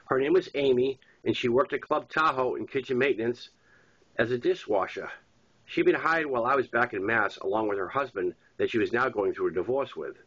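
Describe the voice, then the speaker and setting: Male author-narrator, Boston accent, nasal congestion from a cold, informal storytelling read, dull low-fidelity sound. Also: fairly quick, a bit bright, breathy edge. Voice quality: congested, stuffy nose. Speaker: author reading his own novel. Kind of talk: narrated memoir-style audiobook reading. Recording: dull lo-fi recording.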